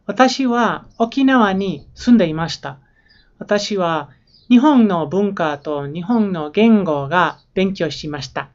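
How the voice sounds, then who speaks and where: An American woman, a young adult whose first language is English, talks casually through a home vlog and names household words one by one in a plain, unhurried way. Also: medium pitch, expressive, a little mellow, dull audio. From United States. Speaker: language learning vlogger. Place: her room and house.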